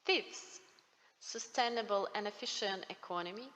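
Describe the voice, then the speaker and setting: A woman panel speaker closing her talk by reading out a numbered list of priorities, slow and deliberate. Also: mid-range voice, a bit bright. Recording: long reverb of a large hall.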